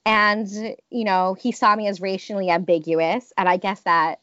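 A woman's voice: mid-range voice, steady tone, moderate pace, fairly bright tone, dry recording. Thoughtful woman, dull dry sound. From United States. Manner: thoughtful, hesitant, many restarts and ums. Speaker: interviewee. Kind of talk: reflective personal storytelling.

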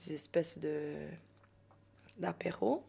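Laughing woman, lowish voice. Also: takes it slowly, creaky, slightly rough. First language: Italian. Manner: lively, laughs often, searches for words. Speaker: staff member at a youth shelter. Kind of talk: casual radio interview.

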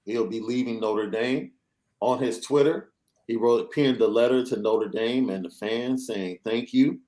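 Energetic man hosting a sports podcast. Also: medium pitch, unhurried. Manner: energetic, reads news and ad reads. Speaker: podcast host. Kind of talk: casual sports podcast chat.

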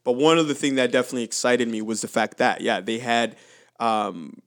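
A man's voice: medium pitch, fairly quick. Casual, informal male interview host. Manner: upbeat informal slang.

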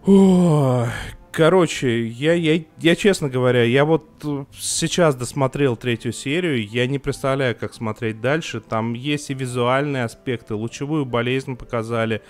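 Faint music sits behind this young man's medium-pitched, measured voice. Co-hosting a TV series podcast, he speaks in a casual, emotional way with many restarts and fillers.

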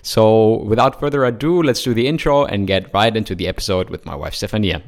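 A man's voice: on the low side, brisk. A young man hosting a podcast, talking casually with a lot of hesitation and filler words. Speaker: podcast host.

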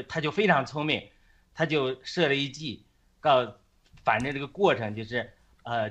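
A man casually retelling a Bible story on a Christian chat, halting often with fillers and restarts. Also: medium pitch, a bit bright. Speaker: Christian speaker on a faith chat.

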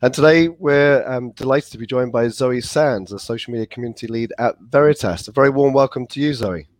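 Croaky male host with a cold. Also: medium pitch, brisk, no room sound. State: croaky, hoarse froggy voice from a cold. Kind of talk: conversational interview hosting.

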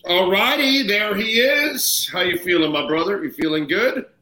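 A man's voice: high-pitched, normal speed, pushed and bright. A man hosting a sports radio show in casual, teasing banter, his voice heard with an echoey roomy sound.

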